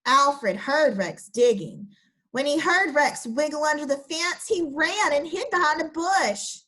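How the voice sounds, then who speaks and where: A young woman teacher reading a children's picture book aloud and then talking through its lesson with her class. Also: low-quality recording. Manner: slow, expressive storybook reading with lively pitch.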